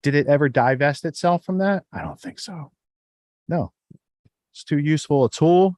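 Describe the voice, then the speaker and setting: A man's voice: on the high side, moderate pace, a little mellow, no echo. A man hosting a podcast in casual, sardonic chat. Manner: wry, sardonic. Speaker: podcast host.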